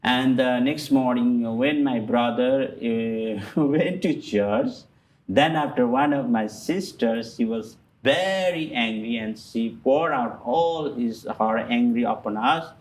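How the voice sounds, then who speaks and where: Man, halting, filler-heavy English. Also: medium pitch, a little hiss or hum, poor audio. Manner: halting non-native English with many fillers and restarts. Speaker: guest. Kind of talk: personal testimony in conversation.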